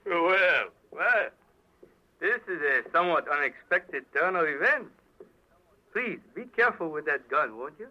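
An actor playing a smug, suave villain in a 1940s-style radio drama, talking in a precise, formal, mock-courteous way. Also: male voice, on the high side, animated, measured pace, sharp tone, heavily acted. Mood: surprised, mock-polite. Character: suave, smug male Chinese crook, art-goods company president. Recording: dull old radio broadcast recording.

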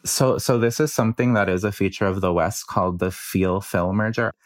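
A man's voice: low-pitched, a little fast, no echo, clean studio sound. A man from New Mexico with a New Mexico Chicano English accent, earnestly explaining speech patterns as a researcher with many fillers. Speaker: linguistics researcher guest. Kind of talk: explanatory interview talk.

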